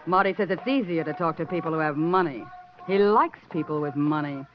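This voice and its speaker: A man's voice: a little high, brisk, natural voice. A performer playing a coy, teasing mystery woman in a 1950s radio drama. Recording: dull old radio recording with hiss.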